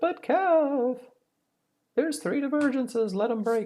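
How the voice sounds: A female-sounding voice performs a put-on character at a high pitch. The pace is moderate.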